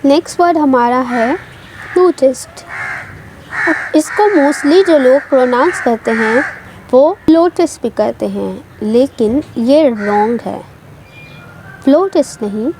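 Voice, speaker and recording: Slow, high-voiced woman teaching pronunciation. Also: a little mellow, slight background noise. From Pakistan. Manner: repeats each word slowly for emphasis. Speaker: English teacher. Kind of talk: slow careful pronunciation lesson.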